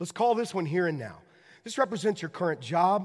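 In a very clean recording with a silent background, a man with a high voice speaks with lively intonation. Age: 50s. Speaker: pastor. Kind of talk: sermon. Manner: conversational.

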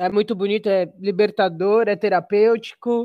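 The speaker is a woman at medium pitch. Her intonation is monotone and flat. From Brazil, São Paulo coast (Santos, Praia Grande). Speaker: construction site inspector and bicycle traveller. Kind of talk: casual chat. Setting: remote call during lunch break at a building site.

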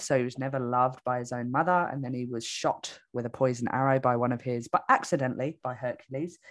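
A woman with an English accent, very deep and low in pitch, at a fairly quick pace, over a quiet background. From England. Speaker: astrology podcast co-host. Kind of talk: casual chat. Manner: animated.

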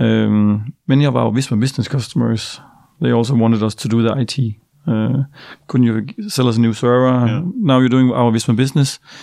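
Speaking with a Danish accent, a man keeps a moderate pace, a medium pitch, fairly even intonation and very even loudness. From southern Denmark. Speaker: company CEO. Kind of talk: casual interview. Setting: office.

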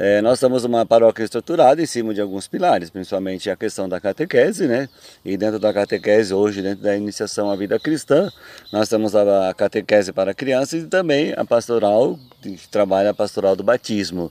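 The delivery is fairly quick, with ordinary pitch variation and a dark, mellow tone. The sound is dry and close, with no echo. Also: man, fairly low pitch for a man. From southern Brazil, Caxias do Sul area (Rio Grande do Sul). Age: 50s. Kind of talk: interview. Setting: recorded at a priests' retreat.

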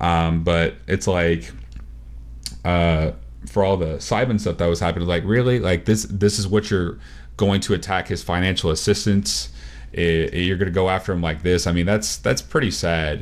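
This voice carries vocal fry and very wide pitch swings at a moderate pace. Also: man, very deep, low pitch for a man. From US South. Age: 20s. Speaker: YouTube content creator. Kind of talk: casual chat.

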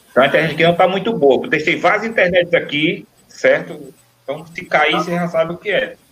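Talking at a fairly quick pace, a man with a high pitch speaks in a northeastern Brazilian accent. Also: ordinary pitch variation. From Northeast Brazil. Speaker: live stream guest. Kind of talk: casual chat. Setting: hotel room on video call.

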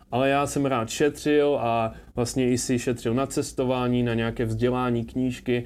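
Over a very clean recording with a silent background, a man with a plain, everyday voice speaks at a moderate pace in a medium pitch with fairly even intonation. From Zlín, Moravia. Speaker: entrepreneur. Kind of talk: casual interview.

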